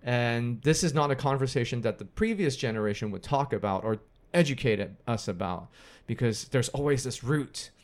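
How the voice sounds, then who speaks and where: A young married man from Hong Kong, a guest in a casual podcast chat, talking in a quick, chatty way and greeting his live viewers. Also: medium pitch, lively intonation.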